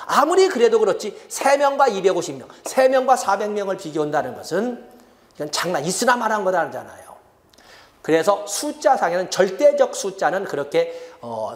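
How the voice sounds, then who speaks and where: A middle-aged man giving an exam-prep lecture, repeating key terms as he writes them on the board. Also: high-pitched.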